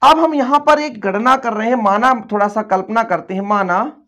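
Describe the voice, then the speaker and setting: Male physics tutor for a school coaching class. Patient and repetitive, fond calls to the pupils, slows down to dictate notes. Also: high-pitched, pushed and bright. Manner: repetitive, coaxing, addresses pupils as dear children; slowly dictates notes word by word. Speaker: physics teacher. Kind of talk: Hindi-medium classroom lecture at a board.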